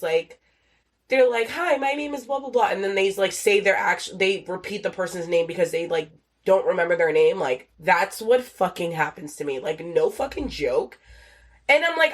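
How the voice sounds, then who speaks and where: A young adult woman hosting a casual solo podcast, rambling with lots of fillers and swearing, a little nasal and sniffly from a cold. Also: mid-range voice. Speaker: podcast host.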